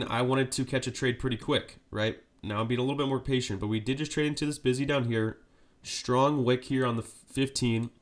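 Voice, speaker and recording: Stuffy-nosed guy talking through trades live, steady and explaining, keeps asking "right?". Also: medium pitch. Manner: steady explanatory, frequent "right?" check-ins. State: congested with a cold. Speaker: live trading streamer. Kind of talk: live market commentary.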